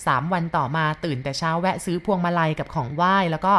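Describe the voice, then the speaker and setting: Lady narrating a ghost story, chatty, kinda low voice, acts out the quotes. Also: fast talker. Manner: polite particles, lively acted-out quotes.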